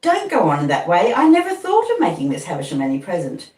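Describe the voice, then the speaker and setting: A woman's voice: on the low side, huge pitch swings, fast talker, a little mellow. A woman voicing an eager, earnest young male apprentice in an audiobook. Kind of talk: audiobook reading. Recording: roomy, distant mic.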